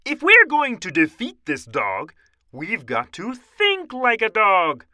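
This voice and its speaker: Man voicing a high-pitched, lecturing lady mouse professor. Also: huge pitch swings, slow pace, bright, forceful tone, dry recording, clean studio sound, full character voice. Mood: grave, urgent. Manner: emphatic, lecturing. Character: learned, grave mouse professor, female scientist.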